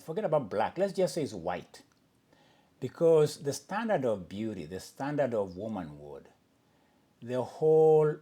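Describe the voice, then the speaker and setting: A man's voice: medium pitch, warm tone. A man hosting a podcast, delivering an impassioned, emphatic monologue and often restarting his sentences. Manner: emphatic, questioning, with frequent restarts and fillers. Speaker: podcast host.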